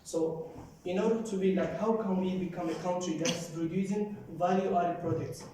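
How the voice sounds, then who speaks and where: A young man from Somalia asking long, halting questions at a forum Q&A, often repeating and rephrasing himself. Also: high voice, steady tone, far from the mic, background noise. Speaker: audience member asking questions. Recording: roomy hall, speaker off mic.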